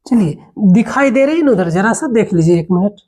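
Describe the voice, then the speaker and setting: A man's voice: high-pitched, expressive, warm tone, breathy edge. Patient man teaching Hindi grammar. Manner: patient, repeats words slowly, checks in with "है ना". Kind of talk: classroom lesson.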